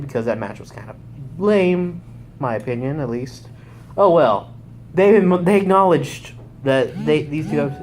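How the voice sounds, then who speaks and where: Over slight background noise, a young man's highish voice races through a live wrestling recap. He's excitable, wanders off track, and keeps fixing what he just said.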